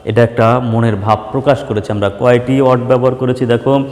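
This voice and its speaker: A Bangladeshi man teaching a primary school lesson, asking questions and answering them himself, sometimes drawing out examples slowly. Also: mid-range voice, level tone, darkish tone, in a large hall. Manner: slow, drawn-out dictation of examples. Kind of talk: online class lesson.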